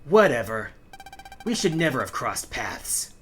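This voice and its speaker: A woman's voice: extremely low pitch, sing-song, a little slow, soft background music, heavily acted. A woman voicing an aloof, scornful teenage loner boy in a game story, with a curt, cold, dismissive manner. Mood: cold, bitter.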